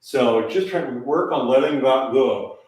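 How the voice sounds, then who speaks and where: A man coaches a live vocal lesson in a calm, guiding tone. He breaks into sighs and sung drills as he demonstrates. He sits back from a distant camera mic, and a lot of room echo surrounds his voice. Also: medium pitch, a little slow. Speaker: voice teacher.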